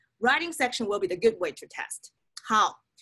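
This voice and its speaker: The voice carries a Chinese accent and a bright, sharp tone. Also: woman. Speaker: test prep teacher. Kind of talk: lecture. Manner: casual, conversational with frequent okay and right.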